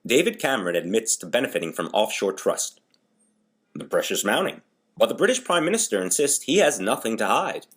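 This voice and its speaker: A man's voice: on the low side, very animated, a little fast, a bit bright, breathy edge. A man reading scripted news briefs as a voice-over artist in an audition.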